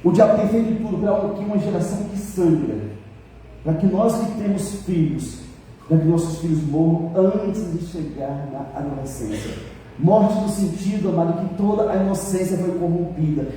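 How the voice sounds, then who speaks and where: Brazilian preacher, emotional storyteller, dark mellow tone, far from mic in a reverberant church. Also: male voice, sits high, moderate pace, a little hiss or hum. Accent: Brazilian Portuguese. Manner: emotional storytelling, addresses congregation. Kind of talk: sermon. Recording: echoey church hall, voice from far off.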